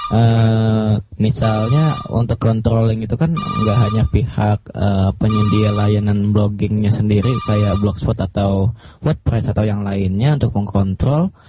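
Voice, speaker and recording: A man co-hosting internet radio, explaining casually and a bit haltingly, on a noisy lo-fi broadcast. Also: fairly low pitch, fairly even intonation, over music. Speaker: radio co-host. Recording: dull, lo-fi streaming radio with loud noise.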